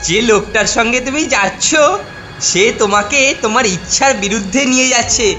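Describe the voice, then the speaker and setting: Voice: medium pitch, brisk, sharp tone, close to an everyday voice. An actor voicing a bumbling teenage boy who fancies himself a detective, boastful and conspiratorial, in a cartoon. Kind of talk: cartoon voice acting. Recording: music behind the voice. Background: cartoon background music.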